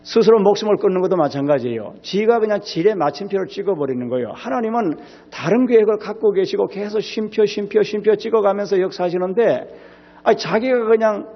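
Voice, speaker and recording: A man preaching a revival sermon as pastor, emphatic, swinging between loud exclamations and soft low asides. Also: vocal fry, big-room sound, lo-fi sound. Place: church sanctuary.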